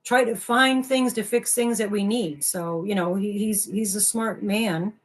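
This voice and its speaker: A chatty woman hosts a casual craft livestream with plenty of energy, hopping from one thought to the next. Her voice sits at an everyday middle pitch for a woman, neither high nor low. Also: unhurried. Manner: hyper, chatty, jumps between topics. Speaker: livestream co-host.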